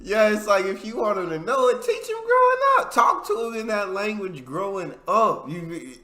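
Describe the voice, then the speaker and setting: A man hosting a reaction video, commenting in a relaxed, conversational way. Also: high-pitched, moderate pace, a crowd in the background. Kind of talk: casual commentary. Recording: echoey room, faint noise.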